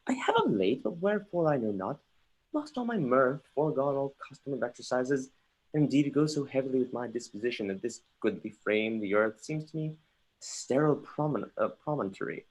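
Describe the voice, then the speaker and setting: A performer acts out a young Danish prince in a Shakespearean stage reading. He is sardonic and brooding, declaiming theatrically at a middling pitch, with the odd stumble over the verse. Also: animated, brisk, a little mellow, slightly rough, poor audio. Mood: melancholy. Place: remote livestream from home.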